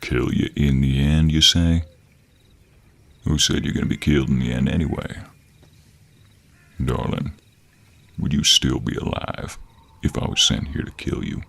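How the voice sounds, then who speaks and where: A man playing a gruff, teasing cowboy monster hunter with a gentlemanly streak in an intimate audio roleplay, drawling in a deep, gravelly, husky American cowboy accent. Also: fairly even intonation, a little slow, pauses often, exaggerated voice. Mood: teasing, reassuring.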